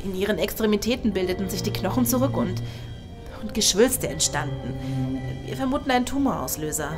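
A woman playing a nervous, hesitant laboratory doctor who is quick to protest, in an audio drama. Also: medium pitch, animated, over music, close to an everyday voice. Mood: uneasy, explaining.

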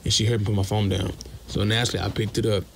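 A man's voice: on the low side, little pitch movement, racing, vocal fry, background noise. A young man telling a story in a voice message. He talks casually and bluntly, swears freely, and acts out the lines of the people in it. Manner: blunt and profane, acts out quoted dialogue. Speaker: listener sending a voice message.

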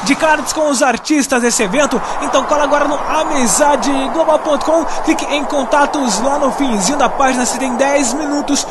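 A Brazilian man presenting pop radio as a DJ, excited, playful and chatty. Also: very high-pitched, moderate pace, hardly any pauses, heavy background noise. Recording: loud music bed under radio voice. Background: loud pop and hip hop music.

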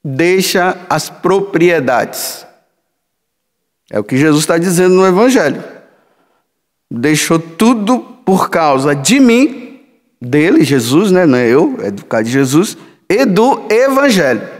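A man's voice: a little high, sing-song. A man in his sixties, a priest giving a storytelling homily in a large church sanctuary on a headset mic, gesturing broadly as he speaks. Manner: slow, storytelling, sweeping hand gestures. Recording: long hall reverb.

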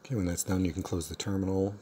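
A man narrating a step-by-step software tutorial in a plain, instructional manner. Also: sits low, level tone, racing, slight background noise. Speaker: tutorial presenter.

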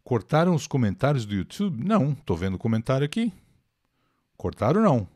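A man's voice: medium pitch, very animated, normal speed, darkish tone, dry recording, clean studio sound. An older man with a Brazilian Portuguese accent teaches an English lesson live, explaining words and answering viewers in the chat by name.

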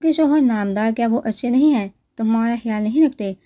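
A woman's voice: mid-range voice, fairly even intonation, dark tone, natural voice. A woman voicing a playful, teasing young sister-in-law in a storybook reading.

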